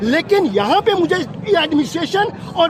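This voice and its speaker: Over crowd noise in the background, a man talks in an extremely high-pitched voice. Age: 60s. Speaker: pilgrim at religious fair. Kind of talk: angry complaint to camera. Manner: animated.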